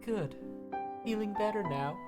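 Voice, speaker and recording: A man voicing a sweet, soft-spoken young female nurse in an exaggerated, cutesy falsetto. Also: animated, measured pace. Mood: caring. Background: loud piano game music.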